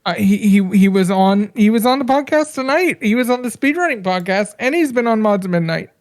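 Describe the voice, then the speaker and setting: A woman's voice: medium pitch, expressive, fairly quick, darkish tone. Dry, mock-serious woman host. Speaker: podcast host. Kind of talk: deadpan comedic stream banter.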